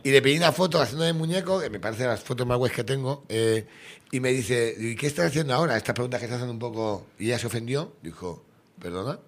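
A man chatting casually with fellow comedians, jumping in with quick jokes and asides. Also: medium pitch. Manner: fast, lively, jokey interjections. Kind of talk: casual podcast chat.

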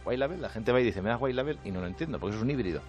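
Spanish guy doing a jokey radio bit, talks super fast, light music under it. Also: mid-range voice, lively intonation, darkish tone. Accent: Spanish from Spain. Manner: sarcastic, jokey, mimics other voices. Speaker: comedian. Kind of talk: comic monologue on radio.

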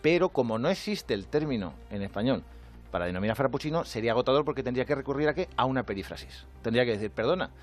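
A man from Spain with a Spanish accent, delivering an animated, jokey comic monologue on a radio show. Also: medium pitch, racing. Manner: animated, jokey, acts out quoted voices. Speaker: comedian with a radio segment. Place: radio studio.

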